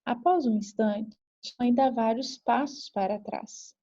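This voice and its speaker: Slow, dark-toned woman reading aloud. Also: fairly high pitch, dull audio. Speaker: reader. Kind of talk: slow scripted reading of a therapy session.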